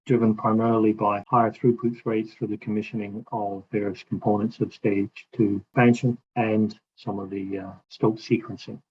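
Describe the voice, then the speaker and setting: A man speaking as a company executive, presenting results on an earnings call in a measured, businesslike way. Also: lowish voice, a little mellow. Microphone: conference call line. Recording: muffled conference call with clear noise.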